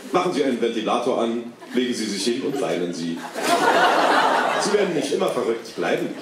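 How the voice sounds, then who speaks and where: A man reading out a deadpan parody hotline message as an answering machine recording, in a formal announcer manner. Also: medium pitch, brisk. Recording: echoey, distant, noisy recording.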